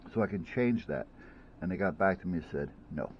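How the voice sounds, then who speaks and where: Rambling low-voiced man, dull recording. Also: wildly swooping pitch, a little slow, husky. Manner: rambling, chatty, frequent restarts and fillers. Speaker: vlogger reviewing gadgets. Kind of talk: casual unboxing chat. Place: at home.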